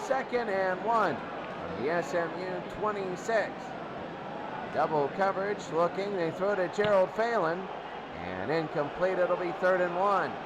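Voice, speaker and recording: A man doing excited football play-by-play in short clipped phrases, repeating downs and yardage. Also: sits high, measured pace. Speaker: play-by-play announcer. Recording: noisy game broadcast, loud crowd. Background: loud crowd and heavy background noise.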